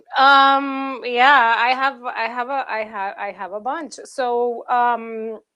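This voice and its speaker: Over a quiet background, a woman with a Spanish accent speaks at a very slow pace with hardly any pauses. Her high-pitched voice has a bright, sharp tone and ordinary pitch variation. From Puerto Rico. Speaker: business owner. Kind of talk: interview.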